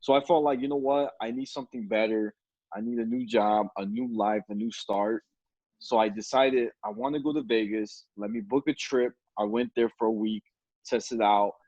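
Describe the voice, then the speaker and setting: A man's voice: fairly low pitch, fairly even intonation, moderate pace, a little mellow, no echo, muffled recording. A man in his twenties on a video call, telling stories with frequent laughs. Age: 20s. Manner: storytelling, laughs often. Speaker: podcast host. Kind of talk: casual chat on a video call. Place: indoor room at home. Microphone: video call webcam.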